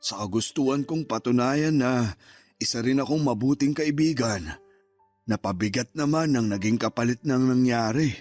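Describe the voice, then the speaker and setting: This is a humble ex-convict father in a radio drama, played by a man. He speaks softly and with regret, at a middle pitch, over faint background music. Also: moderate pace, close to an everyday voice. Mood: remorseful. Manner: soft-spoken, apologetic and humble. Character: remorseful middle-aged father, newly freed from prison. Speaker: father character. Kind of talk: Tagalog radio drama acting.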